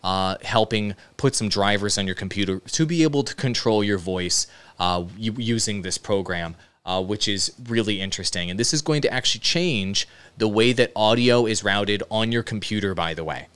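A man hosts a casual software tutorial, explaining each step. His voice is fairly low and clean, recorded close on a broadcast microphone indoors. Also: normal speed, clean tone. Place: indoor streaming room. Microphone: close dynamic broadcast microphone with headset monitoring.

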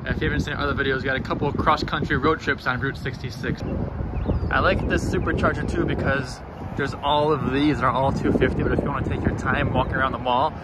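A man's voice: mid-range voice, fairly even intonation, quick pace, very noisy. Upbeat young man vlogging from a car. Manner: upbeat, chatty, explains to viewers. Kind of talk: casual travel vlog narration. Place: inside a car. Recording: background music.

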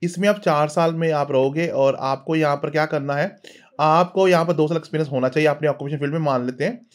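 A middle-aged man talks through job listings and visa pages over a screen recording, hesitant, with many pauses and fillers. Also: fairly high pitch, steady tone. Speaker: vlogger, career advisor.

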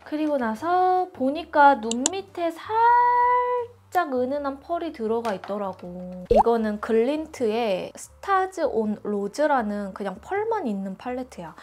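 A woman's voice: on the high side, dark tone. Chatty woman doing a makeup tutorial. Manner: chatty, informal, step-by-step explaining. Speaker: beauty YouTuber.

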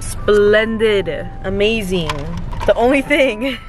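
A woman's voice: medium pitch, slow pace. A woman in her twenties chatting casually and swearily to a camera held at arm's length in a car. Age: 20s. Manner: informal, sweary. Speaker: vlogger. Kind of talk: casual vlog chat to camera. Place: inside a car. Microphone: handheld camera at arm's length. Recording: music bed over in-car camera audio. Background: music, car sounds.

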